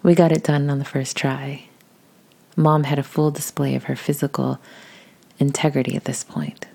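Woman, raspy husky whisper, low and dark, casual reader. Intimate read. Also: level tone, normal speed. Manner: soft, breathy whisper. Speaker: audio creator reading posts. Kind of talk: casual whispered reading aloud.

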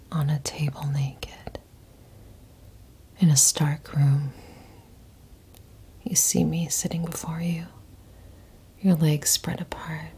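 A woman whispering in a slow, hushed, intimate way, performing a guided ASMR hypnosis roleplay. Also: sits low. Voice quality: breathy whisper. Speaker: audio performer.

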